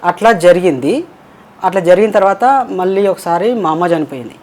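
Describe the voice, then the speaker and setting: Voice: mid-range voice, lively intonation, moderate pace, darkish tone. A transgender interview guest with a Telangana Telugu accent, telling long rambling personal stories and acting out quoted voices. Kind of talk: casual storytelling.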